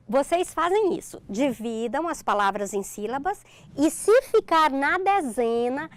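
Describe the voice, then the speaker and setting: In a recorded online grammar lesson, a middle-aged Brazilian woman with a Brazilian Portuguese accent explains things one step at a time, often pausing to ask "ok?". Her voice sits high.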